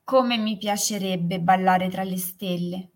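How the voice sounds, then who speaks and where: A woman voicing a young girl who longs to dance, pleading in a raised, bright voice. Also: medium pitch, fairly even intonation, takes it slowly, close to an everyday voice. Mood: dreamy.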